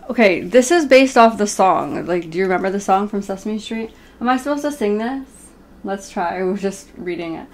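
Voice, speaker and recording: A woman in her thirties reading a picture book aloud to children, informally and speaking straight to her young listeners. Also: medium pitch. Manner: informal, self-interrupting, speaks directly to young viewers. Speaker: children's story reader. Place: small room at home, indoors.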